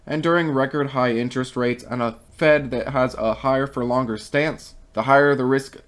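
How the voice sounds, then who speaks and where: A man's voice: mid-range voice, steady tone, normal speed. A man who is losing his voice talks casually through stock charts and market news for his viewers, reading out a company statement and then giving his own opinions. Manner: conversational, reads quotes then gives opinions.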